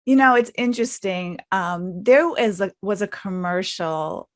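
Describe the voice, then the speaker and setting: A woman who works as a leadership coach, speaking as an interview guest in a relaxed, reflective way. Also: mid-range voice, unhurried, dry recording, clean studio sound. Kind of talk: interview conversation.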